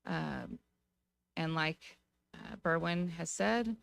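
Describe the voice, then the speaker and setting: An American woman speaking as a city council member at a public meeting, giving her view in a measured, informal way. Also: low-pitched, expressive, vocal fry. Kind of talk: deliberative public meeting remarks.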